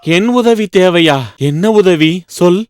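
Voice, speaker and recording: A man's voice: high-pitched, slow pace, darkish tone, faint music behind, voice pushed up. A man voicing a naive, trusting donkey in a children's cartoon fable, guileless and plaintive. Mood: eager.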